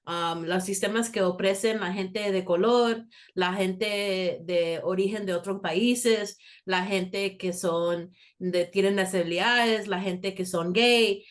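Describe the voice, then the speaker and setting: A woman's voice: mid-range voice, steady tone, takes it slowly, hardly any pauses. A woman from Colombia, raised in the United States, speaking Spanish with a Salvadoran-influenced accent as a guest counselor in an interview, in a conversational way with restarts. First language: English. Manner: conversational, with light laughs and restarts. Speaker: multicultural school counselor, guest. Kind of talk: interview answers.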